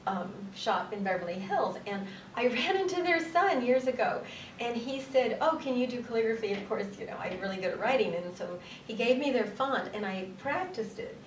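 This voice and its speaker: A woman with a higher voice chatting on a talk show and telling lively stories between laughs. She sounds roomy and set back from the mic. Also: normal speed, distant mic, a little hiss or hum. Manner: animated storyteller, laughs often. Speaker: guest, calligrapher and actress. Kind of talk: casual talk show chat.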